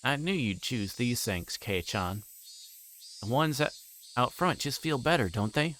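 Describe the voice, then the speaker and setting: A man's voice: medium pitch, animated, measured pace, a bit bright, a little hiss or hum, voice pushed up. Male streamer as teenage schoolgirl from a visual novel: chummy, casual, confiding, a bit sheepish. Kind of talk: visual novel read-aloud.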